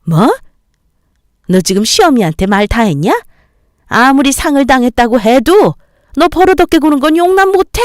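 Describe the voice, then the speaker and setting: Greedy nagging mother-in-law, a woman putting her on, lower voice, bone dry audio. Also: animated, moderate pace, long pauses, no room sound. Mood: scolding. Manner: nagging, condescending lecturing.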